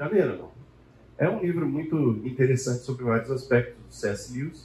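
A man speaks at a moderate pace with ordinary pitch variation. Light background noise and audible room echo surround his voice. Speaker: church class teacher. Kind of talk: lecture. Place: classroom.

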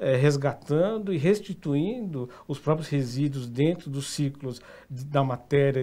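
A man's dark, mellow voice, fairly high in pitch, with ordinary pitch variation. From Brazil, São Paulo state. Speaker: waste management consultant. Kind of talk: interview. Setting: studio. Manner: hesitant with many fillers. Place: studio. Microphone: lapel.

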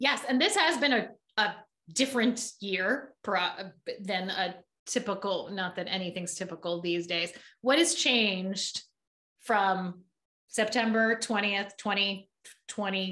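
With an American accent, the voice has a bright, sharp tone and a very slow pace with long, frequent pauses. The background is quiet. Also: woman, ordinary pitch variation. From Baltimore, US. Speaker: podcast host. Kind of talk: casual interview. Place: home room.

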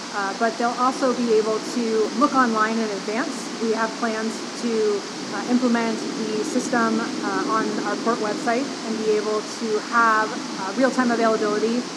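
The speech moves at a moderate pace. Loud background noise runs throughout. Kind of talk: interview answer. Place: garage. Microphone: lapel.

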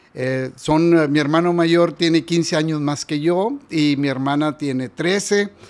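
Fairly high in pitch, a man speaks at a very slow pace. He uses hardly any pauses and fairly even intonation. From Nuevo León, Mexico (Ciénaga de Flores); Nuevo León, Mexico. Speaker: sound system promoter / sonidero; interview guest. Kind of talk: interview. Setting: workshop studio. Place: home room. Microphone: studio mic.

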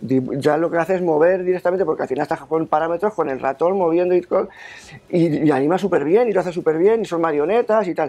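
A very fast man's voice, dark and mellow, with a Castilian accent. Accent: central Spanish (Castilian). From Spain, rural Toledo province. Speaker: animator. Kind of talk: interview.

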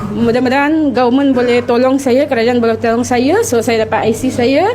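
In a Malaysian accent, a woman speaks at a moderate pace in a high pitch with fairly even intonation and very even loudness. Noticeable background noise is present. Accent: Malaysian Malay with English code-switching. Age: 20s. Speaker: stateless resident seeking citizenship. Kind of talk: interview testimony. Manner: halting.

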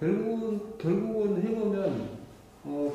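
A high-pitched male voice with lively intonation at a very slow pace, plus noticeable background noise and audible room echo. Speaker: wildflower nursery owner and plant breeder. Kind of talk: informal talk to students. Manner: halting, many fillers.

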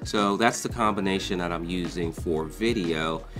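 A man with a very deep, low pitch and ordinary pitch variation at a moderate pace, with clear music in the background. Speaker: content creator. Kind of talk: studio tour commentary. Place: studio.

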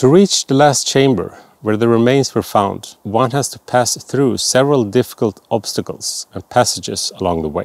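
Fairly slow speech from a man, dry and without echo. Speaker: presenter. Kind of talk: documentary narration to camera. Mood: calm, lightly humorous. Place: forest. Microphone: lapel.

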